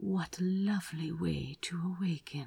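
Someone speaks in a put-on character voice at middle pitch and a moderate pace. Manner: affectionate, content.

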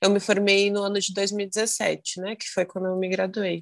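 Against a quiet background, a woman speaks at a moderate pace and a medium pitch. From Brazil. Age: 20s. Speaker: nurse. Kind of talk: casual interview.

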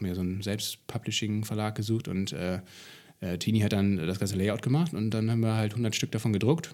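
A man speaks at a fairly quick pace in a plain, everyday voice. His pitch sits fairly low, and the recording is very clean with a silent background. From northern Germany, Kiel. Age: young. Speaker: podcast co-host and entrepreneur. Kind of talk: casual interview chat.

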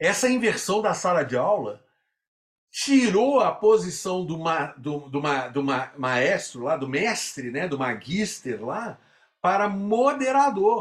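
A man with a high voice speaks very slowly, his pitch swinging very widely. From Minas Gerais, Belo Horizonte. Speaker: education specialist. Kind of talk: interview conversation.

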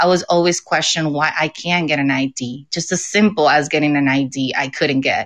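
Spoken at a moderate pace with a Mexican accent. The intonation stays fairly even over a quiet background. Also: woman. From Mexico, Oaxaca. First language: Spanish. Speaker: PE teacher and runner. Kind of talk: interview. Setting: online audio platform.

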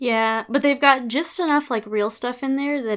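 A woman with an American accent and a playful tone, in a very clean recording with a silent background. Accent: mild Texan, homogenized. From US Texas. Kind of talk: casual chat. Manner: joking, playful.

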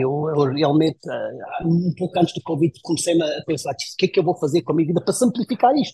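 The man talks at a very fast pace with a high pitch and ordinary pitch variation. The sound is dry and close with no echo. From South Africa. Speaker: tech company co-founder. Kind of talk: interview. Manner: halting.

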